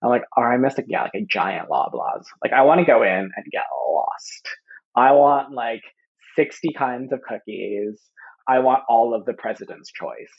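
A young Canadian man, a podcast guest, chatting casually with lots of fillers and lively quoted asides. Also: medium pitch, normal speed, husky, muffled recording. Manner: chatty, full of fillers, animated quoting. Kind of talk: casual chat.

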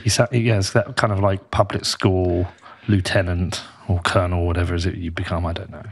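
A man's voice: deep voice, flat delivery, a little fast, creaky, breathy edge. A man hosting a podcast, chatting enthusiastically and often restarting his sentences. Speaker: podcast host. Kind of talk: casual podcast conversation.

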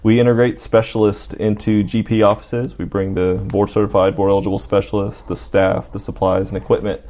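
A man speaks in a fairly low voice with a deep Southern American accent. He sounds like a guest in a casual interview, talking conversationally. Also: level tone, a little fast, warm tone. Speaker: interview guest, co-founder of a dental specialty services company. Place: hotel room.

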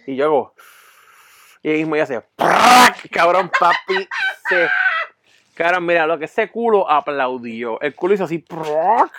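A man telling a crude story in a podcast chat, profane and animated, acting out voices and sounds. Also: fairly high pitch, normal speed, heavy background noise.

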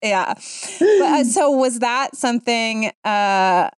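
A woman's voice: on the high side, animated, takes it slowly, background noise. A woman from Ohio hosting a casual interview, asking long, meandering questions full of fillers. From Ohio, United States. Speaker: host.

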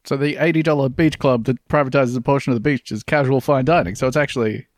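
A man's voice: medium pitch, fairly even intonation, fast talker, dry recording. A man co-hosting a comedy podcast, joking dryly and trailing off as he talks. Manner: dry, joking, trails off into mumbles. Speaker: podcast co-host. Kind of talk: casual comedic chat.

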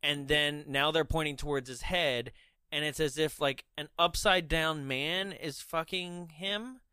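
A man's voice: a little high, unhurried, sharp tone, smooth, no echo, clean studio sound. A young man in casual, laugh-filled chat about a film, often slipping into put-on voices for the characters.

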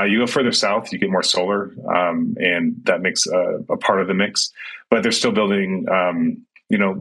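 A man's voice: deep voice, sharp tone, slightly rough, poor audio. A middle-aged man who grew up in Sudan and Kenya, a tech entrepreneur answering interview questions in a thoughtful way, with many fillers and restarts.

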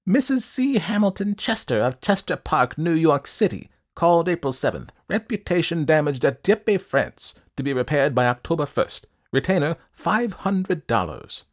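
A man's voice: fairly high pitch, very animated, normal speed, few pauses, pitched above the performer's own voice. A man voicing a menacing, self-satisfied, eccentric schemer in an audiobook, with formal, precise, clipped delivery. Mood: businesslike.

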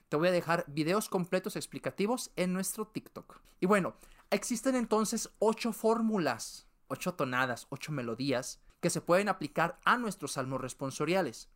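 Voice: medium pitch, a bit bright. Methodical podcast teacher. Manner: methodical, lists and repeats terms step by step. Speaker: podcast host teaching liturgical music. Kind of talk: educational podcast explanation.

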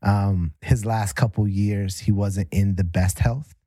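California guy hosting a chat, lowish voice, dry sound, kinda halting and reflective. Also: steady tone, mellow, no room sound. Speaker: podcast host. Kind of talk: casual conversational talk.

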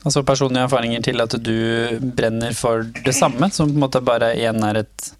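A man's voice: medium pitch, fairly even intonation, slight background noise. A man hosting a podcast, asking long, hesitant, rambling questions. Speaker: host.

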